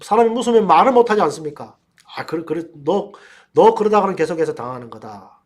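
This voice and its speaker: A man's voice: fairly high pitch, expressive, fast. A middle-aged man, a pastor and professor, teaching a seminar in a storytelling way, speaking straight to his listeners. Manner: storytelling, addresses listeners directly, bursts into loud commands. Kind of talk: teaching seminar on casting out spirits.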